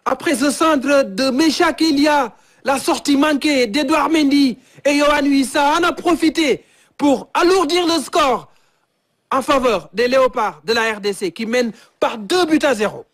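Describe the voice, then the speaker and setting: A man giving excited live football commentary as a match commentator. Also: very high-pitched, measured pace.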